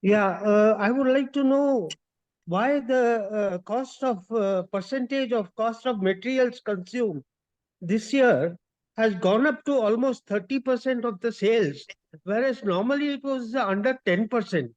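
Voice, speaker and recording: A man with an Indian accent asking an investor's questions on a dull conference call line, halting but insistent. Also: very high voice.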